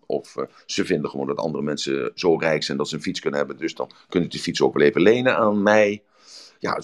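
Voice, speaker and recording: A deep-voiced man giving a relaxed, casual talk. He rambles and fills his sentences with many hesitant pauses, drifting into storytelling along the way.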